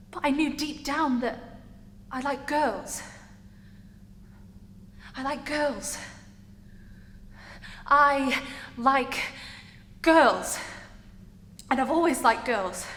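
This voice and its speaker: A woman playing a hurt, defiant young gay woman in a halting, emotional theatre monologue. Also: sits high. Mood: pained, resolute. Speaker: acting student. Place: large reverberant indoor room. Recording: echoey hall with background noise.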